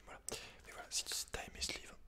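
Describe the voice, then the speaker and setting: A man hosting ASMR in a breathy, unvoiced whisper, intimate and informal as he speaks directly to the listener. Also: fast talker, bright, forceful tone. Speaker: ASMR video host. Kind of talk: whispered ASMR, reading a book aloud with casual asides.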